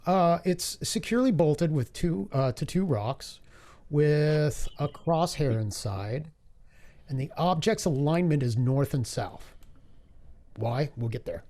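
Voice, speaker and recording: A man co-hosting a podcast, telling things in a halting, hesitant way in casual chat. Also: fairly high pitch, animated, warm tone. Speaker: podcast co-host.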